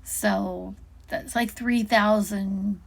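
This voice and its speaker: Woman doing a casual crafty walk-through, slow relaxed pace, mid pitch, kinda thinking out loud. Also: gravelly. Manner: chatty, musing aloud, self-interrupting. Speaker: digital sticker designer giving a product walk-through.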